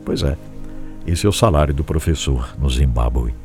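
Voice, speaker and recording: A man's voice: extremely low pitch, lively intonation, normal speed, creaky, darkish tone, faint music behind. A man with a Brazilian Portuguese accent, a pastor preaching and appealing for donations in an emphatic storytelling manner with rhetorical questions to his listeners. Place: small home studio room.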